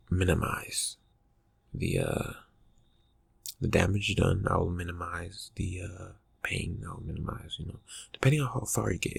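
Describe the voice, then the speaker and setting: A man plays a vampire quietly threatening a friend in an ASMR roleplay. The voice is low and heavily creaky, with a breathy, husky edge. The delivery is soft, halting and insinuating, keeping the menace calm. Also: full character voice. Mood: calmly menacing.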